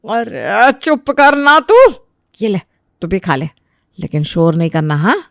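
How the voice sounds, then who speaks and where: A woman voicing a bossy elderly grandmother who scolds and hushes her grandson in a storybook tale. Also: medium pitch, very animated, a little slow, gravelly, no echo, clean studio sound. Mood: hushing. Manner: bossy, hushing, sharp scolding. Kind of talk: storybook voice acting.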